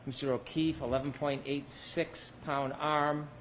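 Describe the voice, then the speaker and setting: A man's voice: on the high side, level tone, a little slow, a little hiss or hum. Man cross-examining in a courtroom recording. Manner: pointed leading questions with tag endings. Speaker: defense attorney.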